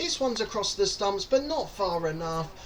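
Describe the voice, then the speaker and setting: In an English accent, a man speaks at a high pitch. His voice makes very wide pitch swings. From England. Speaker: gaming commentator. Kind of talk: gameplay commentary. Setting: hot room, recording at home. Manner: fast.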